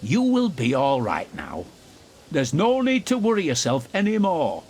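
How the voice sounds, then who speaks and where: A man's voice: fairly high pitch, huge pitch swings, unhurried, creaky, a little mellow, slightly rough, exaggerated voice. A man voicing a fussy but kindly railway controller with authority, in a storybook tale. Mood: kindly admonishing.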